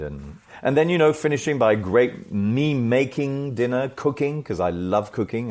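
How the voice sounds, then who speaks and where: The pace of this man's speech is moderate. He talks with an English accent. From French-Scottish family, raised partly abroad, educated in British school section. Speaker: actor. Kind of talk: casual interview chat.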